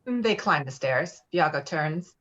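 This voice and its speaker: Over dull online audio, a woman narrates a screenplay's stage directions. Her voice is on the low side, reading out scripted action. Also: expressive, slow pace, fairly bright tone.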